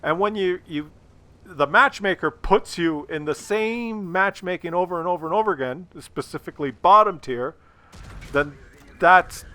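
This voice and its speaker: A man's voice: on the high side, sharp tone, clean tone, no room sound. A man talking casually to his viewers, blunt and opinionated, swearing freely, while losing his voice from a cold. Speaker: gaming video creator.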